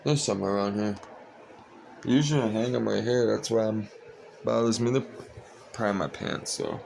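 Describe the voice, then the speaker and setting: Sleepy young guy vlogging from home, flat and meandering, with a faint hiss under the voice. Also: lowish voice, brisk, creaky. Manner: monotone, meandering, frequent fillers. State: tired, sleepy. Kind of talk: casual rambling vlog.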